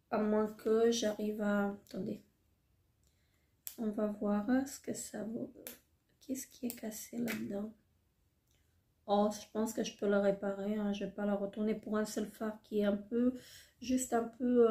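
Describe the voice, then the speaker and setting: A woman's voice: fairly high pitch, darkish tone. Woman vlogger, casual haul chat, gushing with lots of fillers, in a roomy echo. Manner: hesitant, many fillers, gushing. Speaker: beauty vlogger.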